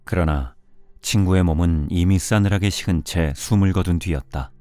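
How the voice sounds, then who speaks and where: A man reading a storybook in a measured bedtime audiobook style, with music behind him. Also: low-pitched, dark tone, no echo. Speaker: audiobook narrator. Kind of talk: scripted storybook narration for bedtime listening.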